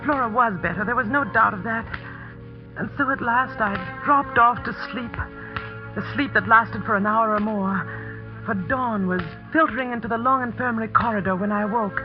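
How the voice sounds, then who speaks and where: An actress playing a determined young schoolteacher who narrates and plays the lead in a 1940s radio mystery drama, telling the story in a crisp, urgent way. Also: female voice, a little high, moderate pace, music in the background, close to an everyday voice. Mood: narrating. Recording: dull lo-fi 1940s radio broadcast.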